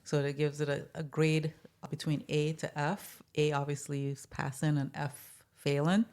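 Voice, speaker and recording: A woman's voice: low-pitched, little pitch movement, a little slow, over music. A woman co-hosting a casual health talk, agreeable and encouraging with practical tips. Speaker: health coach co-host.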